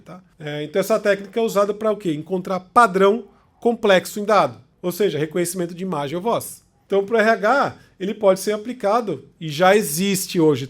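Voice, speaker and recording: Giving a casual explanatory talk as a lecturer, a Brazilian Portuguese-accented man speaks in a high voice. His tone is conversational, dotted with short tag questions to check on his audience.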